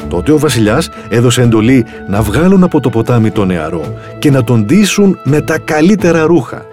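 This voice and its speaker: A man narrating a fairy tale aloud in an expressive, lively storytelling manner. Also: medium pitch, over music. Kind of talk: storybook reading.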